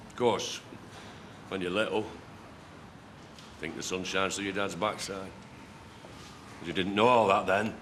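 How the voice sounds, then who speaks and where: An actor with a Yorkshire accent playing a weary, bitter older father who speaks bluntly and gruffly. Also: low-pitched, fairly bright tone, slight background noise. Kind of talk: TV soap drama acting.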